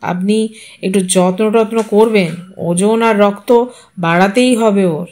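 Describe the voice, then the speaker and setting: A woman voicing a businesslike middle-class husband who instructs and placates in a measured way in an audio story. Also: medium pitch, a little mellow, close to an everyday voice. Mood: firm.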